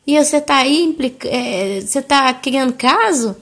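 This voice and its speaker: An earnest, calm young mother who reasons with her own mother, as a woman puts her on in a story. The voice sits fairly high and stays plain and pleading. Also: moderate pace, husky.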